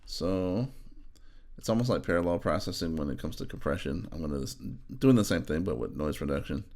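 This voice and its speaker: Male tutorial narrator, low gravelly register, informal, thinks aloud while demonstrating. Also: animated, a little fast, a little mellow. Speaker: audio engineer giving a software tutorial. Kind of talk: casual screen-recorded tutorial narration.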